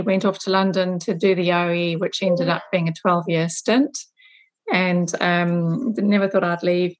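A woman's voice: on the low side, poor audio. A middle-aged woman from Zimbabwe answering questions conversationally as an interview guest. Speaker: guest, business owner.

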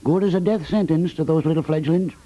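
Laconic, sentimental American contractor played by a male actor, high-pitched and mellow, folksy 1950s radio comedy. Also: fairly quick, lightly acted, rough recording. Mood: mournful. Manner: laconic, folksy, drops words, guilt-tripping. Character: stolid, folksy building contractor, sentimental about birds.

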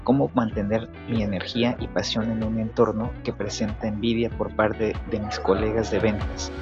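Low, flat man reading over music. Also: moderate pace, muffled recording. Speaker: reader of a listener's question. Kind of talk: reading a letter aloud.

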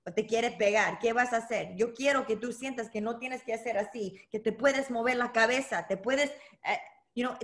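A woman being interviewed as a boxing coach, talking in halting bursts with restarts and dropping in English words. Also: fairly high pitch. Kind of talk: conversational interview.

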